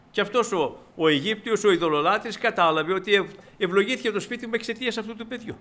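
A male preacher with a high, sharp-toned voice retells a Bible story in a sermon, often calling his listeners brothers. He acts out the characters' lines, dramatizing quotes by shifting his voice and volume.

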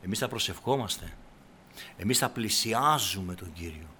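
Male preacher, bright and forceful, prone to sudden shouts then quiet asides. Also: lively intonation, a little hiss or hum. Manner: shouts in bursts, then drops to a low, quiet tone; addresses the congregation as brothers. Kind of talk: sermon.

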